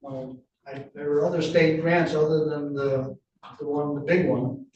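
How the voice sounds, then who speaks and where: A man with a New England accent speaks in a county meeting room, his voice slightly high and flat in tone. He picks his way through his points with fillers and restarts. The sound is thin and dull, heard from a distance in a very echoey room with a faint hiss. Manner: halting, many restarts and fillers. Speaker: board member. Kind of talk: public meeting discussion.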